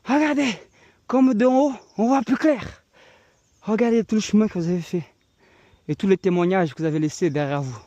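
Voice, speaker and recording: High-voiced man preaching outdoors. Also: normal speed, mellow, dry recording, lo-fi sound. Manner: exhorting, addresses viewers as friends; walking and climbing while talking. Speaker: evangelist. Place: outdoors on a hillside trail. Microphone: handheld phone camera.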